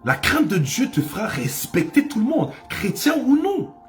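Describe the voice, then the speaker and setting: A man's voice: sits high, wildly swooping pitch, normal speed, faint music behind. A man preaching a sermon as pastor, with impassioned delivery that rises to cries and repeats phrases for emphasis.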